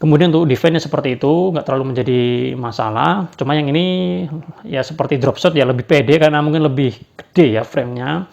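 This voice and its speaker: Man, casual review, gravelly voice, hesitant with fillers, dull lo-fi sound. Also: fairly high pitch, fairly quick, darkish tone. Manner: hesitant, many fillers and tag questions. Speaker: badminton racket reviewer. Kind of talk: casual spoken product review.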